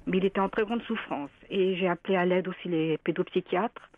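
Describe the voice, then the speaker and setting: A woman in her sixties calling a radio show, emotional and halting, over a phone line. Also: on the low side, a little hiss or hum. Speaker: caller.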